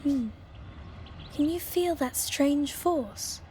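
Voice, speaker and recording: An actress playing an enigmatic, playful girl guide in a mythic Persian video game, with a cryptic, gently teasing manner. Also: high-pitched, very slow, slight background noise. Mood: mysterious. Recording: long reverb, faint music behind.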